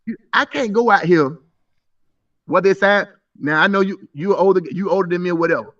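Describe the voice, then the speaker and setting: A man in his thirties with a high, slightly bright voice speaks fairly quickly, arguing insistently in a live stream debate. He keeps stumbling and restarting his sentences. The recording sounds muffled, as if he's at a distance.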